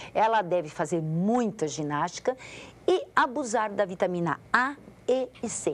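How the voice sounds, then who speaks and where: A woman speaks in an ordinary speaking voice at medium pitch, fairly slowly, with lively intonation. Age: 60s. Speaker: gynecologist. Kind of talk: TV interview.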